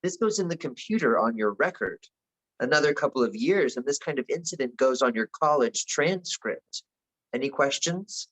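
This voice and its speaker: A man acting a stern, measured school principal in a script table read. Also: mid-range voice, animated, a bit bright, low-quality recording. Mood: admonishing.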